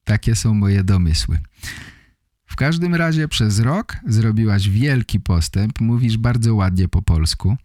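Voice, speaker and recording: A man hosting a podcast, giving an explanatory monologue for language learners in short, deliberately phrased sentences. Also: fairly low pitch, animated, a little mellow, no echo, studio quality. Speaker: podcast host.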